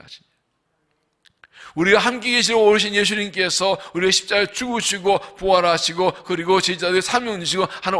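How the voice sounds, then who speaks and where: A man preaching as senior pastor at a dawn revival service in a church, emphatic, asking the congregation questions and slowly stressing scripture lines. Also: sits high, pushed and bright. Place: church sanctuary.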